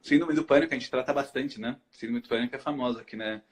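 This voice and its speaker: Talking fast in a medium-pitched voice, this man from Brazil hosts a casual live chat as a hypnotherapist. He explains by asking rhetorical questions and answering them himself.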